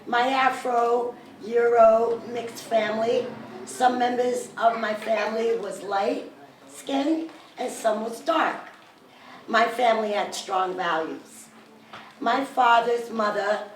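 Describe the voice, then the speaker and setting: A raspy-voiced woman from the United States reading a personal letter at a community reading, chatty and a bit self-conscious. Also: a little high, fairly bright tone. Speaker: poetry reader. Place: community event hall. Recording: echoey room, mic from far off, faint noise.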